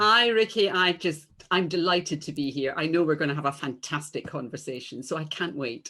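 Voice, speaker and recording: With a slight Scottish accent, a woman speaks at a very deep, low pitch and a fairly quick pace. Her intonation is lively, with hardly any pauses. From Scotland, Glasgow. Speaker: speaker and trainer. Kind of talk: interview.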